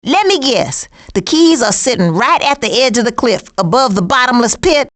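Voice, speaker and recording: A sassy female cartoon animal for a video game. She talks tough and streetwise, blunt and sarcastic, in a high voice that swings freely up and down. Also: lively intonation, normal speed, a bit bright.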